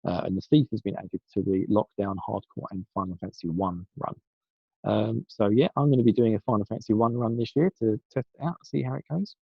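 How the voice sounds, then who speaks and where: Croaky man with a sore throat. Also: on the low side, a little fast, no echo. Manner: chatty, rambling, self-correcting. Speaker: podcast guest segment presenter. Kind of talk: casual pre-recorded segment. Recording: dull lo-fi dry recording.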